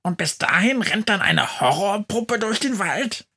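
High squawky male crow, gravelly and husky, fretful storybook bird. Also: lively intonation, measured pace, bright, forceful tone, exaggerated voice. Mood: alarmed. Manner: shrill, fretful objections. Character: nervous talking male crow. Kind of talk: storybook narration.

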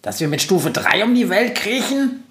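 A man's voice: sits high, very animated, normal speed, a bit bright, echoey room, pitched above the performer's own voice. A man voicing a brash, cocky young companion who teases.

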